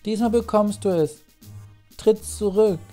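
A man voicing a short-tempered beast-man prison guard from a video game, shouting in a high, strained voice. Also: measured pace, soft background music. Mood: angry.

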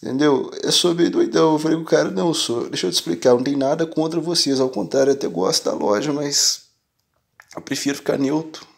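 Gravelly and fairly high, a Brazilian man's voice moves a little fast as he speaks casually to his viewers. The tech channel host and shop owner is animated and emphatic, with a Brazilian Portuguese accent, and he keeps asking "entendeu?" to be sure they follow.

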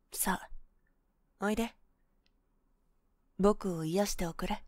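In an intimate ASMR pillow-talk role-play, a woman voices a cool, boyish young woman who is a possessive, sweetly manipulative lover. She speaks softly, breathily and coaxingly into a close, dry mic, in a mid-range voice with no room sound. Her mood is coaxing and confiding.

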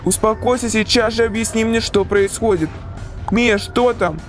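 A woman's voice: on the high side, normal speed, faint music behind, voice pushed down, close to an everyday voice. A woman voicing a sceptical but concerned young man in a horror text-message story. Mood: disbelieving. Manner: questioning, mildly exasperated.

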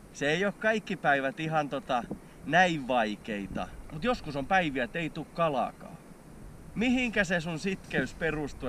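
On his fishing vlog, a thirty-something host talks in a chatty, enthusiastic way to the camera, starting on a frozen lake before moving to a kitchen table indoors. His voice is a little high and fairly bright, with a little hiss or hum.

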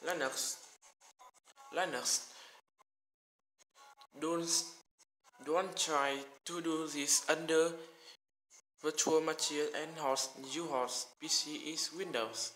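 A man with a Vietnamese accent walking through a computer tutorial, speaking halting English, apologizing and repeating his words. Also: a little high, steady tone, sharp tone. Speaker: tech tutorial creator. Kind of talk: screen-recorded tech walkthrough. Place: small room at a desk with a laptop. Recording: echoey room with music behind.

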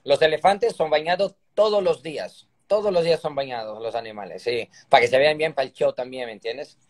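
Here a circus performer in his thirties chats cheerfully from his room at home, appearing as a guest by phone video call on a casual live stream. He has a Brazilian Portuguese accent and a mid-range voice that moves a little fast, and he repeatedly checks in with "me entiendes?"

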